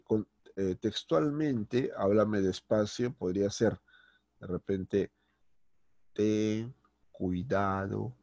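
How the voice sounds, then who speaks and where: A male secondary school teacher giving a recorded grammar lesson, explaining step by step and checking in often with quick tag questions. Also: fairly low pitch, darkish tone, dry recording.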